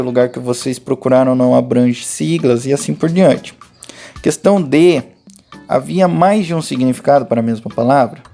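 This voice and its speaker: A man's voice: a little high, creaky, dark tone. A Brazilian man teaching a remote lesson to schoolchildren, patiently explaining each step and addressing the pupils directly. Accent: Brazilian Portuguese.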